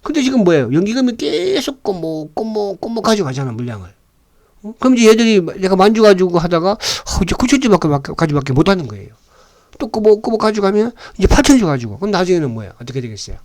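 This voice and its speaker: With a fairly high, darkish-toned voice, a man talks stocks casually at a quick pace, his pitch swinging widely up and down. He often asks viewers whether they agree and uses blunt slang.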